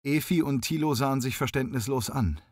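Male audiobook narrator, steady reading. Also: medium pitch, normal speed, dry recording, studio quality. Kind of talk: scripted narration.

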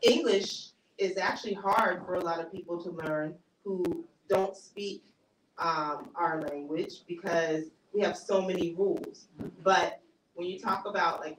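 A woman author giving a casual talk and answering audience questions, chatty with lots of fillers and easy laughs. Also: lowish voice. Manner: conversational, laughs easily, many fillers. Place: small bookstore cafe event space. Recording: echoey room, mic far off.

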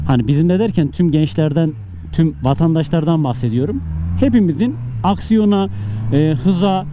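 Man, inside-helmet sound, clear road and engine noise, fairly high voice, casual motovlog monologue. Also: expressive, normal speed. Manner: conversational, explaining himself with rhetorical questions; speaking inside a helmet while riding a motorcycle. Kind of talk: casual vlog monologue while riding. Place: outdoors on city roads, riding a motorcycle. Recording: helmet mic with motorcycle and traffic noise. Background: engine, vehicle and traffic noise.

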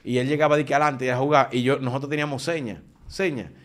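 A man, a preacher giving his testimony in an animated conversational way, often restarting his sentences. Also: mid-range voice, quick pace. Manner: animated storytelling with frequent restarts.

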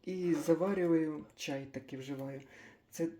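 Older lady chatting in her kitchen, slow and mellow, kind of low voice. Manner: chatty, thinks aloud, small laughs. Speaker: cooking vlogger. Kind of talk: casual kitchen chat.

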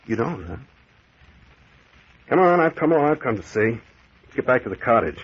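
An actor playing a cool, wry American private detective captain in an old-time radio mystery. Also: male voice, mid-range voice, moderate pace, breathy edge. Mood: brisk, determined. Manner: calm, wry, hard-boiled, insistent. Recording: muffled vintage radio recording.

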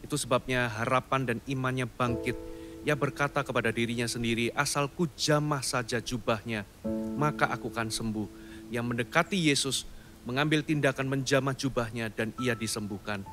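A man's voice: mid-range voice, normal speed. A male pastor giving a short devotional and then leading a fervent healing prayer with commanding declarations. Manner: calm, soft-spoken storytelling. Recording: studio voice-over with faint music behind.

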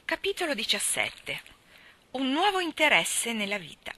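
A woman narrating an audiobook with expressive storytelling that sometimes drops to soft tones. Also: on the high side, moderate pace. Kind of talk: audiobook reading.

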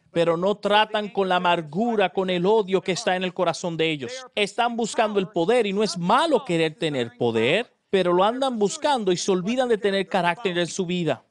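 Emphatic high-voiced male preacher. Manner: emphatic, asks the congregation questions; dramatizes prayers and dialogues in a raised voice. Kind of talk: sermon.

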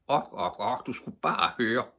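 A man's voice: mid-range voice, animated, bright, forceful tone, pitched above the performer's own voice. A man voicing a sly, giggling old robber in a storybook reading. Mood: gleeful.

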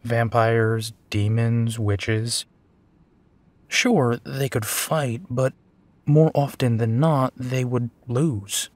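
A man playing a gentle, protective, weary werewolf detective in an intimate audio roleplay, with a soft, halting delivery. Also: medium pitch, steady tone, no echo. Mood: reflective, wistful.

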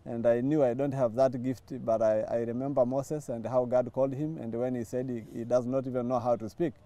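A middle-aged man from Tanzania, telling his story in an interview, reflective and thoughtful, pausing and restarting often. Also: mid-range voice, fairly even intonation, dark tone. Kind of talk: testimony interview. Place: outdoors by a lawn. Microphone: lapel mic.

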